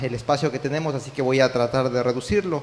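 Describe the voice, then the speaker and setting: Over noticeable background noise, a man speaks at fairly high pitch with fairly even intonation. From coastal Ecuador. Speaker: sociologist and professor. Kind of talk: conference talk. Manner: fast.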